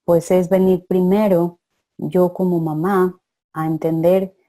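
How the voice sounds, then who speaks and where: Woman, faith session leader, flat even delivery, warm dark tone, affirming. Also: fairly low pitch. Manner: calm, measured, affirming. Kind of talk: guided spiritual teaching.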